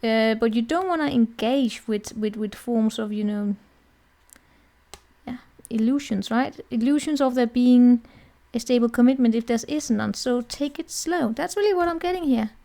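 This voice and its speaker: A woman's voice: a little high, normal speed, warm tone. A woman giving a casual tarot reading in a chatty, rambling way, often checking in with the listener. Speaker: tarot reader.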